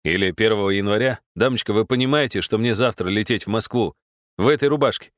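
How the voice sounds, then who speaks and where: A man's voice: lowish voice, fast talker, dry recording, studio quality, close to an everyday voice. A man doing a smug, scheming grumbler. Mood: grumbling.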